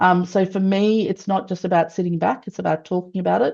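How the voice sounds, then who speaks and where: A woman with an Australian accent speaks at a fairly quick pace, her pitch fairly low and her tone dark and mellow. Her intonation stays fairly even against a quiet background. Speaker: educational designer and researcher. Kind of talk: webinar presentation. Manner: fast.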